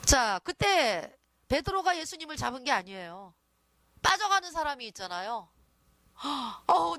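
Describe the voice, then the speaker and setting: A woman gives a sermon in a higher voice that rises and falls a lot. She speaks conversationally and keeps turning to her listeners for agreement. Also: pushed and bright, dry recording. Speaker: preacher.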